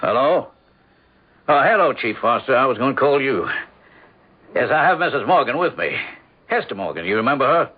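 An actor playing a folksy, businesslike small-town lawyer in a 1970s radio drama, with hesitant interjections. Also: male voice, medium pitch, big pitch swings, moderate pace, pauses often, slightly rough. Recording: narrow, dull vintage radio recording.

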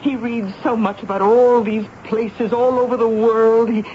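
A woman's voice: on the high side, level tone, measured pace, close to an everyday voice. An actress playing a doting, apologetic mother, fussing and gushing in a 1970s radio drama. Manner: fussing, gentle, gushing with many ohs. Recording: dull, noisy vintage radio broadcast.

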